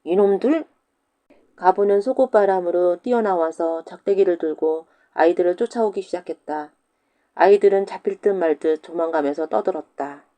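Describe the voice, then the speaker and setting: A woman storyteller reading old folktales in a calm, even, scripted manner. Her voice is low and very dark and mellow. It is recorded close on a studio mic with a dry, dead sound. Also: fairly quick, dry recording.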